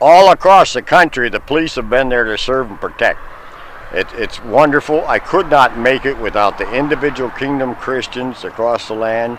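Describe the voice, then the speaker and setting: Noticeable background noise sits behind a man's voice. He speaks at a moderate pace and medium pitch, with ordinary pitch variation. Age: 70s. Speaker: long-distance horseback rider raising hunger awareness. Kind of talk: interview answer. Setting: outdoors.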